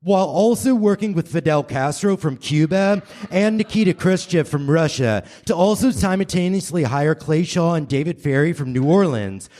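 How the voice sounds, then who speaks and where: A man's voice: fairly high pitch, expressive, moderate pace, few pauses, mellow, close to an everyday voice. A man playing an earnest, urgent grown son from the future in a staged radio play parody, declamatory in his explanations. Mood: earnest explaining.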